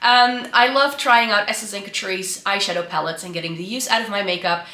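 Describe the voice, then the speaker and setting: A woman's voice: medium pitch, a little fast, pushed and bright, echoey room. Congested woman from the Netherlands, chatty. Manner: chatty, with frequent ums and restarts. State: congested and slightly raspy from flu. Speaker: beauty vlogger. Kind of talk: casual chat to camera. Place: home room by a Christmas tree. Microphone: camera mic, set some way off.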